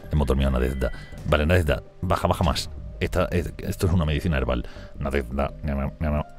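A man with a rumbling low voice streams gameplay of a strategy game, commenting fast and excitably. He swears and laughs often as he plays.

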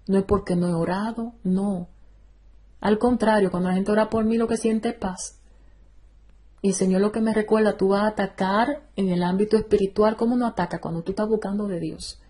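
A woman's voice: mid-range voice, dark tone, breathy edge. A middle-aged woman evangelist, giving a fervent testimony sermon and breaking in with praise exclamations.

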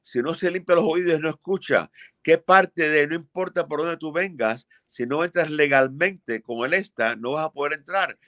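A man's voice: a little high, normal speed, fairly bright tone, no room sound. Older male immigration lawyer, emphatic and blunt, dry webcam sound from a home office. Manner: emphatic, blunt, repeats for stress. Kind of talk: expert answering viewer questions. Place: home office with framed pictures.

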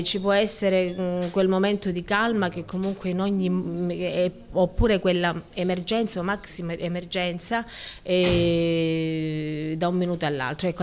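A woman's voice: on the low side, slight background noise. A woman in her forties, an emergency room doctor, answering a reporter in a hospital corridor and hesitating over her words with many fillers and restarts. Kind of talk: on-the-spot news interview. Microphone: handheld reporter microphone.

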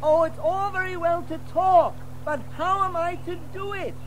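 A woman's voice: very high-pitched, fairly even intonation, moderate pace, background noise. A woman playing a naive, wonder-struck young mole in a children's audio drama, eager and questioning. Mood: shy, doubtful. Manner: eager, wide-eyed, questioning.

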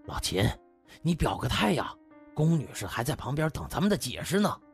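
A man's voice: medium pitch, big pitch swings, normal speed, soft background music. A man voicing an agitated, impatient male hospital administrator in an audiobook, urgent and pressing. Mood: impatient urging.

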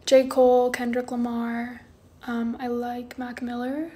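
A woman in her twenties chatting casually on a livestream from her bedroom, soft and drowsy, often trailing off. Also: a little high, completely flat delivery, a little slow. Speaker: livestream host. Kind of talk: casual chat answering viewer comments. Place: small bedroom indoors. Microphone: phone held close, front camera.

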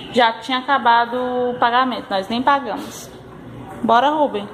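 A woman's voice: a little high, fairly even intonation, measured pace, very noisy. A young Brazilian mother vlogging casually at home, tired after a sleepless night, talking in a chatty way full of sighs. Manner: chatty, sighing, with frequent "ai" and "né".

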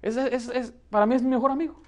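A man in his thirties who grew up in the United States, preaching a lively sermon from a pulpit with a Mexican Spanish accent. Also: very high-pitched, fast talker. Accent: Mexican Spanish, learned in the United States. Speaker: pastor. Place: church hall, plain indoor room.

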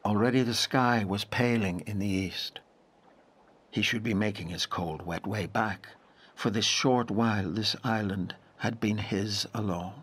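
An actor playing a grave, intense narrator in a literary audio drama, measured and full of dramatic pauses. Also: male voice, on the low side, steady tone, a bit bright, husky. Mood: hushed wonder. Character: grave narrator haunted by a wild lake memory.

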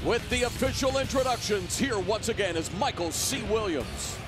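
A man's voice: high-pitched, expressive, normal speed, over music. A man giving live sports broadcast commentary on a fight.

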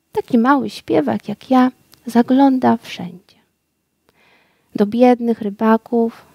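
In a storybook reading, a woman voices a small male nightingale who is wise and kind, speaking softly and tenderly. Her voice is a little high and the recording is dry.

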